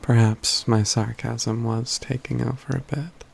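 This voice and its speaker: Man voicing a slow, gravelly, hushed mage companion. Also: mid-range voice, steady tone, slight background noise. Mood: warm, wry. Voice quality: breathy, often near-whispered, gravelly. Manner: measured, formal phrasing, gently teasing. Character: wry, self-assured, caring mage companion, adult male. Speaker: ASMR roleplay performer. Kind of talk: soft-spoken ASMR fantasy roleplay acting.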